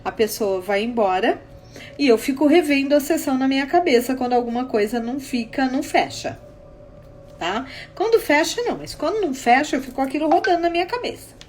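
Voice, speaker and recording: A woman therapist, retelling stories from her sessions in a lively live talk, acting out the dialogue and often checking in with the listener. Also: high voice, a little fast, soft background music. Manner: animated retelling with acted dialogue and frequent checks like "tá?". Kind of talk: Instagram live talk with anecdotes.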